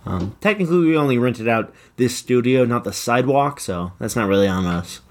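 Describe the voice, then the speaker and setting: A man's voice: medium pitch, lively intonation, fairly quick, slight background noise. A man on a radio show crew, speaking in casual comedic banter.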